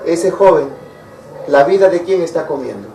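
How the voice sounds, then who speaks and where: A man's voice: on the high side, animated, normal speed, warm tone, slight background noise. A man preaching a sermon, asking his listeners rhetorical questions and acting out short quoted lines. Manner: asks the congregation rhetorical questions. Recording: echoey room, mic far off.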